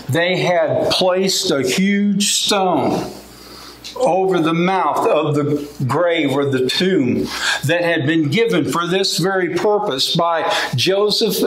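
Slow, high-voiced preacher. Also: male voice, fairly bright tone. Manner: gestures widely and paces behind the pulpit. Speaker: pastor. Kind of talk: sermon. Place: church sanctuary with congregation. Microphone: lectern microphone. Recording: roomy church sound with faint ambience.

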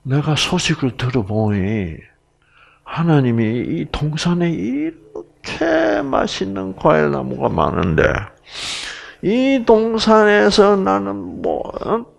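A man playing a sly high-voiced serpent with a Gyeongsang accent. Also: huge pitch swings, slow pace, vocal fry, exaggerated voice. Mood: sly coaxing. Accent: Gyeongsang dialect. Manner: wheedling, insinuating questions. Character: sly coaxing serpent tempting a woman.

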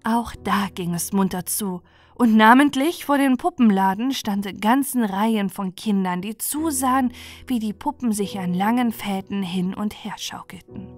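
A woman narrating a bedtime fairy tale as a storyteller. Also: medium pitch. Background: music.

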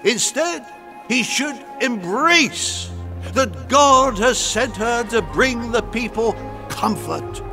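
Learned churchman in radio play, really high pitched n slow, formal speechy delivery, grave. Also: expressive, pushed and bright, faint music behind, exaggerated voice. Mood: solemn. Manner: formal, deliberate, oratorical. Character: grave, learned friar and university theology dean. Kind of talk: audio drama acting.

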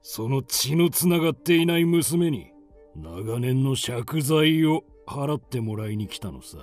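A man's voice: mid-range voice, lively intonation, unhurried, a little mellow, faint music behind, lightly acted. An actor playing a grasping, menacing middle-aged stepfather and tribal chief in a radio drama. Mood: sly, menacing. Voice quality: husky, gravelly.

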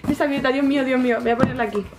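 Young woman, higher voice, gushing, repetitive, excited unboxing chat. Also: very fast, noisy background. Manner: gushing, repeats herself, squeals with delight. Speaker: book and collectibles vlogger.

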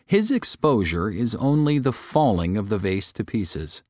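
Man narrating with lively, varied pitch. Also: a little slow, no room sound, clean studio sound. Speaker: audiobook narrator.

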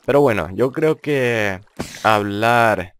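Deep-voiced serious young man, rambling commentary. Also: slow, a little hiss or hum. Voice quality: deep, grave voice. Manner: serious, rambling, repeats himself. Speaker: gaming video creator. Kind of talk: improvised casual gameplay commentary.

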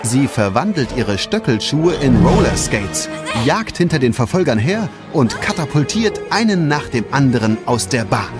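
A man narrates a children's audio drama. His medium-pitched delivery is lively and expressive, in a scripted storytelling style. Loud music plays behind him. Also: moderate pace, hardly any pauses.

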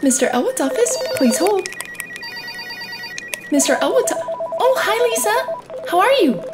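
A woman's voice: extremely high pitch, very animated, measured pace, very noisy, full character voice. A woman playing a chirpy, polite, chatty office secretary in an audio drama. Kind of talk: audio drama phone dialogue.

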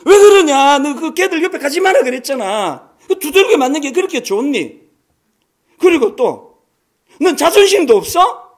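A man voicing a shrill, scolding mother. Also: big pitch swings, moderate pace. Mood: exasperated scolding. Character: exasperated mother scolding her small daughter.

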